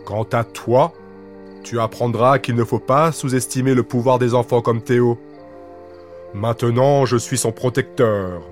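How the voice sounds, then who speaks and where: A man voicing a big male forest monster with a deep voice he makes soft, gentle yet stern with bullies. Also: steady tone, unhurried, soft background music, natural voice.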